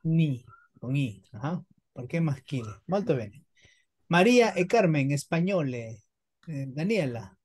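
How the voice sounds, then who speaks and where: A woman teaching a beginners' Italian class, slowly modelling words and patiently repeating them for her students. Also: deep voice, animated, darkish tone, slightly rough. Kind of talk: online language lesson.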